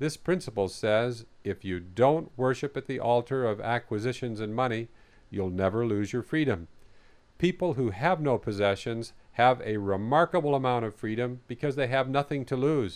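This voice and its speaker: With a normal speaking voice, this man holds a medium pitch, ordinary pitch variation and a moderate pace. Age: 50s. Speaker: physician and adventurer. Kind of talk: scripted narration.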